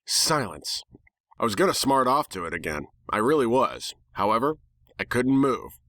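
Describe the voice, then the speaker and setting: A man narrates a first-person tale with theatrical, sardonic flair. His pitch sits in the middle of the male range, and his irreverent delivery comes through in a dry recording with very little room. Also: sing-song, normal speed, fairly bright tone, no echo. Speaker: narrator reading fan fiction. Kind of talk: dramatic first-person story reading.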